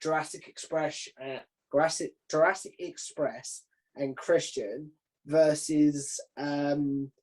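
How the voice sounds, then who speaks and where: A man's voice: fairly high pitch, fairly even intonation, slow pace, darkish tone. A man hosting a casual podcast interview, chatting informally, offering his opinions and thinking aloud as he goes.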